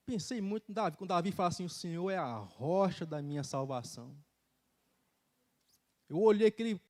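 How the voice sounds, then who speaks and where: High-voiced man preaching with fervor. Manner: animated storytelling with laughter and colloquial asides. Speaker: church speaker giving a testimony. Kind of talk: sermon testimony. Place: church sanctuary.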